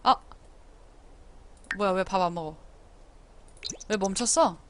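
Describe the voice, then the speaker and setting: A woman's voice: medium pitch, takes it slowly, fairly bright tone, slight background noise. A woman streaming a life-simulation game, chatting playfully, scolding her characters and reading the story text aloud. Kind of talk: live-streamed game commentary.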